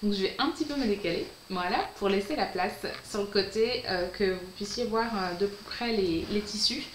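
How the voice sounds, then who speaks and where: A woman's voice: medium pitch, normal speed, slight background noise. Bubbly woman in an echoey room. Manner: bubbly and enthusiastic, often says she is delighted. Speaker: sewing vlogger and host. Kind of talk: casual fabric unboxing vlog. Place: at home, filming at night.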